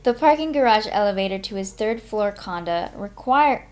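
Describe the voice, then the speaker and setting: A woman's voice: medium pitch, lively intonation, normal speed. A woman narrating a memoir aloud as a live streamer, in an informal manner with her own small asides. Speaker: streamer reading a book aloud.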